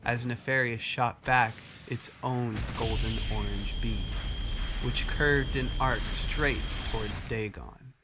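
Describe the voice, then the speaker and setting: Guy narrating a dramatic story, real slow and solemn, music playing behind him. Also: medium pitch, fairly even intonation. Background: music under the voice.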